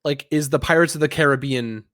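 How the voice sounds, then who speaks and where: A man's voice: a little high, fairly quick, fairly bright tone, dry recording, clean studio sound. A man co-hosting a casual gaming podcast, bantering in an informal, conversational style. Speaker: podcast co-host.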